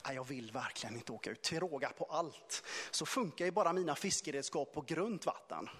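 A man's voice: on the high side, fairly bright tone, husky, long reverb tail, pitched below the performer's own voice. A man voicing a weary, reluctant adult fisherman who complains about his work. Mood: grumbling.

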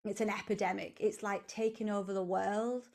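A woman hosting a podcast, giving a slow, earnest and repetitive motivational talk. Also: medium pitch, flat delivery, creaky, a little mellow. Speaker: podcast host, coach. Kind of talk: reflective solo motivational talk.

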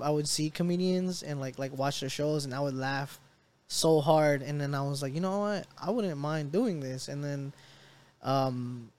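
Slightly high-voiced young man rambling stories. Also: a little mellow, clear, resonant tone. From Tennessee. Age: young adult. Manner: rambling storyteller, many "like" fillers. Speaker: stand-up comedian guest. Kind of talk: casual podcast chat.

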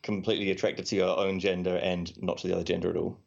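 New Zealand man, lowish voice, dull lo-fi recording, dry casual podcast guest. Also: little pitch movement, fast talker, creaky, a little mellow. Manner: dry, joking, explanatory. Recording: dull lo-fi audio.

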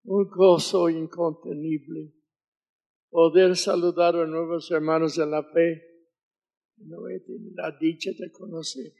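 A man's voice: a little high, level tone, a little slow, gravelly, darkish tone, rough recording. Elderly American man preaching in fervent tones. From Mississippi, USA. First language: English. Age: 90s. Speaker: visiting preacher. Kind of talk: sermon.

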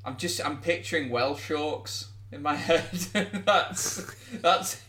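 A man's voice: on the high side, slow pace, sharp tone, a little hiss or hum. A man co-hosting a casual podcast, easygoing and jokey, chuckling between remarks. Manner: easygoing, jokey, laughs often. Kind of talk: casual chat. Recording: echoey room.

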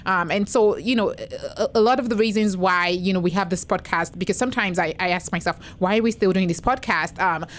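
A woman's voice: medium pitch, a little fast, few pauses. Reflective woman podcast host. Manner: reflective, long winding sentences. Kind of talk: casual interview conversation.

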